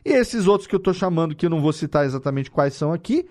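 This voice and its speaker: Casting: male Brazilian podcast host, slightly high voice, emphatic and colloquial, conversational interview delivery. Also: animated, fast talker, a little mellow.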